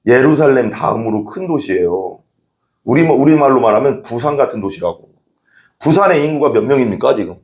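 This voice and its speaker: A man preaching in a church with a lively, swooping voice that climbs high when he stresses a point. He is an animated storyteller who keeps turning to the congregation with questions. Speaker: pastor. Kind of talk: evening church sermon.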